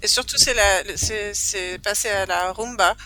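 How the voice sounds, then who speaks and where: High bright-voiced cheerful man. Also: steady tone, unhurried, slight background noise. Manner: cheerful, laughs often while explaining. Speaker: podcast guest. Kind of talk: casual chat.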